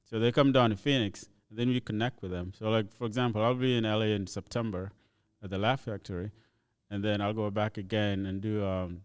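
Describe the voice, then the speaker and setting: A man's voice: on the low side, fairly even intonation, brisk, few pauses, smooth, no room sound. A young man from Ethiopia, chatting easily as a comedian guest on a podcast and laughing often. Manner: easygoing storyteller, laughs often. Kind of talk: casual podcast chat.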